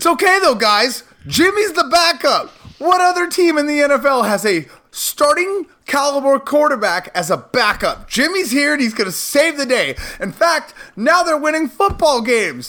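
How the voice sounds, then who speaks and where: Raised and projected, a man's extremely high voice has a bright, sharp, animated tone and lively intonation. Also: moderate pace. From Portland, Oregon. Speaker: sports writer. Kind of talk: casual chat.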